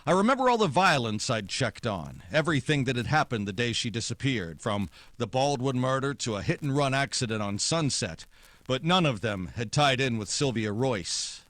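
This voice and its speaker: A man's voice: medium pitch, fairly bright tone. Guy doing a tough world weary american detective, old radio noir style, wry and clipped, music playing under him. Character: hard-boiled, wisecracking male private detective, world-weary, dogged. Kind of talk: 1940s noir radio drama acting and narration.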